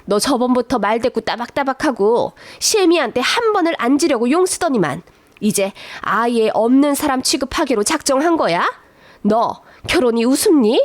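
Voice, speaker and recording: A woman's voice: fairly high pitch, animated, moderate pace, no room sound, lightly acted. A woman voicing a domineering older mother-in-law who scolds and belittles her daughter-in-law in a dramatized radio story. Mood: furious. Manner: scolding, contemptuous.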